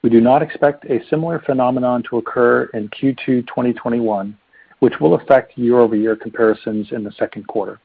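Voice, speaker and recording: A man's voice: medium pitch, fairly even intonation, creaky, breathy edge, no room sound. Formal man reading on a thin phone line. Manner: formal, measured, reading from prepared remarks. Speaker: company finance executive presenting results. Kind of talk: scripted earnings report narration. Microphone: telephone conference line. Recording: muffled narrow phone-line conference call.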